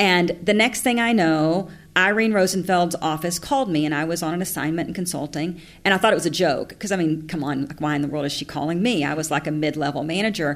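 A woman's fairly low voice at a very fast pace, animated in tone with ordinary pitch variation, in a very clean recording with a silent background. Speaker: business executive. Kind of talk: live interview. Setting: stage with audience. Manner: fast talker.

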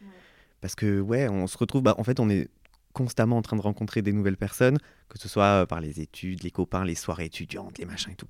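A man's normal speaking voice, fairly low in pitch with ordinary variation, at a fairly quick pace, with big swings in loudness and a dry, close sound free of echo on a very clean recording with a silent background. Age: 20s. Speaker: friend of host. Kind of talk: casual chat.

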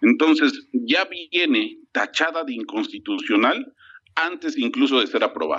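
A man's high-pitched voice swings very widely in pitch as he talks at a fairly slow pace. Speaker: senator. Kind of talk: interview. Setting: phone call.

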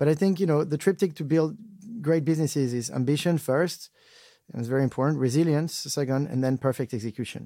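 In a French accent, the voice races at a very fast pace with a dark, mellow tone and ordinary pitch variation over a very clean recording with a silent background. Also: man, fairly high pitch for a man. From France. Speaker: company CEO. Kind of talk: interview. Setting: in person.

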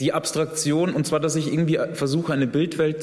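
Noticeable background noise fills the clip. Through it, a man's voice comes across. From Germany. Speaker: theatre director and writer. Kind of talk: casual chat.

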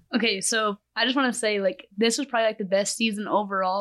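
Heard on a very clean recording with a silent background, a plain, everyday voice with an American accent keeps a fairly even intonation. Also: woman. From Texas, Amarillo. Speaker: college soccer player. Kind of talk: casual chat.

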